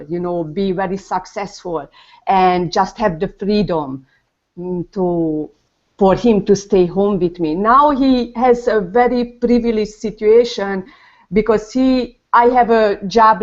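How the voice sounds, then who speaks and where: Woman, Hungarian accent, Hungarian native, slow halting speech, earnest, muffled call audio. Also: mid-range voice. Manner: earnest, halting, searches for words. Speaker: panel guest, mother of a toddler. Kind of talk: casual online group chat. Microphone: video call.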